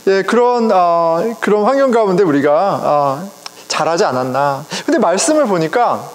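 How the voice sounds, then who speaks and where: Animated man preaching in an echoing church. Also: high voice, moderate pace. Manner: conversational, animated, chuckles often, addresses congregation. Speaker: pastor. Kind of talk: sermon. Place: church sanctuary. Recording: long reverb of a church hall.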